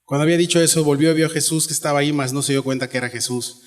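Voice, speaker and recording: A pastor with a Mexican Spanish accent preaches in a church sanctuary. His voice sits somewhat high for a man, and his tone is earnest and conversational as he puts question after question to the congregation. A long hall reverb trails behind his words. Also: steady tone, rapid-fire. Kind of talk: sermon.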